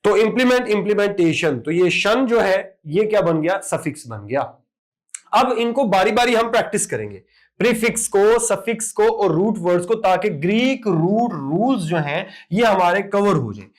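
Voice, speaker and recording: High-voiced lively male teacher. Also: moderate pace. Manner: lively, emphatic word-drilling with repeated "ठीक है". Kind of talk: exam prep vocabulary lecture.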